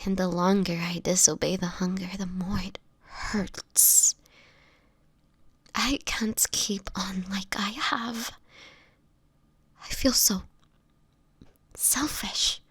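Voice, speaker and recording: A woman playing a sickly homeless vampire in an audio roleplay, guilt-ridden and protective, with halting, pleading, breathy speech that often drops to a whisper. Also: medium pitch, fairly even intonation, a bit bright, no room sound, heavily acted. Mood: despairing, ashamed. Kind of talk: dramatic audio roleplay monologue.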